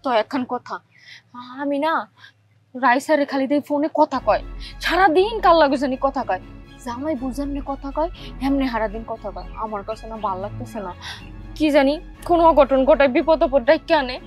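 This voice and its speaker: Woman acting a village wife, high voice, pleading and consoling, faint music behind. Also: brisk, natural voice. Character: devout caring village wife, middle-aged. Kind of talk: television drama acting.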